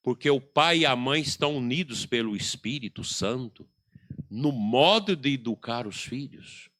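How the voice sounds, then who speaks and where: A man's voice: medium pitch, lively intonation, moderate pace, a bit bright. A man preaching a sermon as a bishop, telling stories and acting out scenes from family life.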